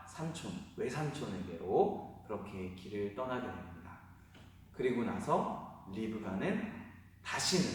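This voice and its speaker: A pastor, a man, telling a Bible story as a children's sermon, animated and often asking the listeners questions. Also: mid-range voice. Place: church sanctuary. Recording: echoey hall from far off.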